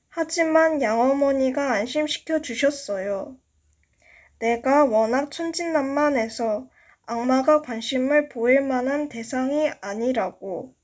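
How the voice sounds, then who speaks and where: A woman's voice: high-pitched, a little mellow. A woman reading a novel aloud as an amateur narrator, careful in her delivery and now and then stumbling. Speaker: amateur audiobook reader.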